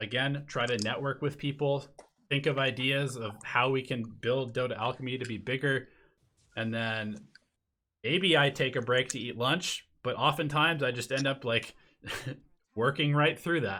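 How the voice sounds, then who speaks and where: In an ordinary speaking voice, a man talks at medium pitch and moderate pace with fairly even intonation. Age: 20s. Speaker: dota coach. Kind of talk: coaching session.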